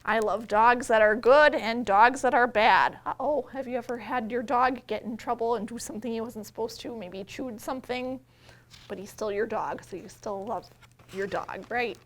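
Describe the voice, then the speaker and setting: High-voiced woman hosting children's storytime. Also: moderate pace. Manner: simple explanations, questions and invitations addressed to young children. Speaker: children's librarian, storytime host. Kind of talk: children's storytime read-aloud with talk and action rhymes.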